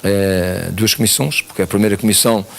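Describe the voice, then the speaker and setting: This TV interview guest, a retired army major from São Miguel in the Azores who is in his sixties, gives a plain account of his life. His lowish voice is creaky and a bit bright, with fairly even intonation and a slightly fast delivery.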